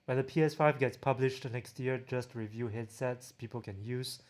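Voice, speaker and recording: A man's voice: mid-range voice, normal speed, a little mellow. A man with a Singaporean accent chatting casually as a livestream host, reading out and answering viewer questions. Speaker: livestream host, audio gear reviewer.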